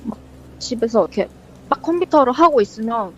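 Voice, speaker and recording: A woman's voice: a little high, animated, fairly quick, a little hiss or hum. A woman casually telling a ghost story as a guest, rambling and full of fillers, acting out the lines she quotes. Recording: dull lo-fi sound.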